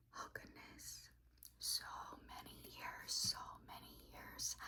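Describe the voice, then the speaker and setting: A woman whispers. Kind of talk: whispered ASMR show and tell. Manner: whispered.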